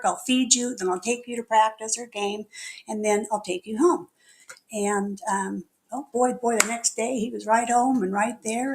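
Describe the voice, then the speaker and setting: A middle-aged woman minister preaching to her congregation with a slightly high voice. She tells her story in a chatty, candid way and laughs at herself now and then. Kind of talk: sermon with personal storytelling. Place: spiritual center meeting hall.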